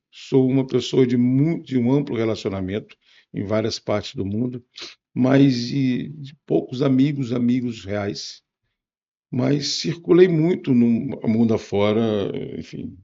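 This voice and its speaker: A man in his seventies from Bahia, Brazil, with a Bahian accent, answering interview questions in a musing, unhurried way with restarts. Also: mid-range voice, dark tone, muffled recording. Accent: Bahian Brazilian Portuguese. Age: 70s. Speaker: interview guest.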